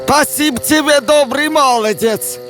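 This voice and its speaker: An actor voicing a cunning old traveller in a cartoon who feigns kindness, speaking slowly. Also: male voice, very high voice. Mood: kindly. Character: cunning old male traveller, secretly villain. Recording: cartoon soundtrack with music behind.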